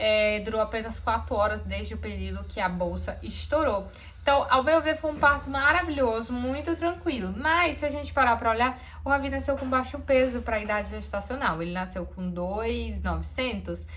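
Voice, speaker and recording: A woman with a Brazilian accent, with audible room echo. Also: moderate pace. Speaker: mother sharing personal story. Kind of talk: personal vlog testimony. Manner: casual, conversational.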